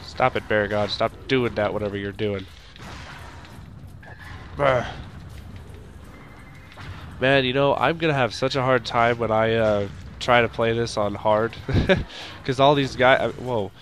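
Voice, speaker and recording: A young man with a stuffy nose from a cold, rambling through casual let's-play commentary and shouting at the game now and then. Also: mid-range voice, fairly even intonation, unhurried, long pauses, soft background music. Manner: rambling, makes sound effects and shouts at the game.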